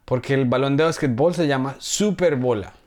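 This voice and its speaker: A man with a Colombian accent co-hosting a podcast, chatting casually with lots of slang and animated, joking storytelling. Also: mid-range voice, normal speed. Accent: Colombian Spanish. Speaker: podcast co-host. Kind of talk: casual chat.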